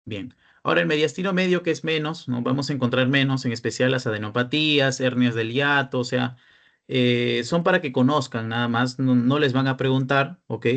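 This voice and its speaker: A man's voice: medium pitch, moderate pace, creaky, a bit bright. A young man with a Peruvian Spanish accent, a peer tutor giving an online class lecture, explaining step by step and often checking in with the students.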